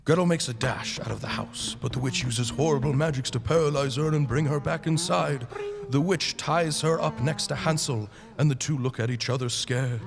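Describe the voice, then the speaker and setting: Guy narrating a radio story, regular pitch, echoey hall sound, slight noise. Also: normal speed, gravelly.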